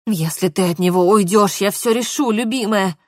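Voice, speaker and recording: A woman voicing a desperate, passionate young man in love, pleading in a lowered, slowed voice. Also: no room sound, clean studio sound, natural voice.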